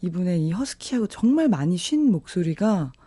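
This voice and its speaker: A woman's voice: on the low side, sing-song, moderate pace, warm tone, slightly rough, dry recording. A woman talking about songs as a radio guest, in a polite, reflective and appreciative conversational style. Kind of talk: soft conversational music talk. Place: radio studio. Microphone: close studio microphone.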